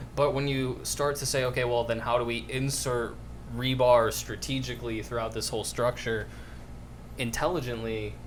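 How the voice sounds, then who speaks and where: A man with a Midwestern American accent at a moderate pace, with audible room echo. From US Midwest. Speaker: podcast co-host. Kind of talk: casual chat.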